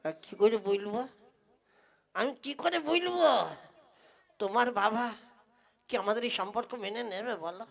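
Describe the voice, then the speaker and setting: A woman voicing a slightly foolish young boyfriend, halting and placating, in a comic puppet play. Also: on the high side, animated, creaky. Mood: hesitant.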